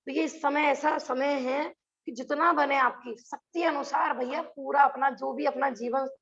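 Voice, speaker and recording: A woman's voice: sits high, fairly even intonation, a little slow, a bit bright, lo-fi sound. A woman teaching a religious scripture class over a video call, talking earnestly and asking her listeners rhetorical questions.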